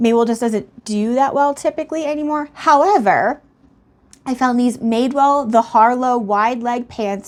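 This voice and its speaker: In a very clean recording with a silent background, a woman speaks at a moderate pace with a high pitch and ordinary pitch variation. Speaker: full-time reseller and YouTuber. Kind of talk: casual vlog sales recap.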